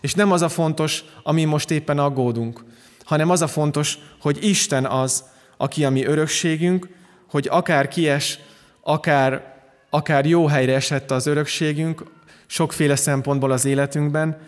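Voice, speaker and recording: A man delivering a sermon as pastor, calm and earnest, often restarting his phrases. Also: fairly high pitch, in a large hall.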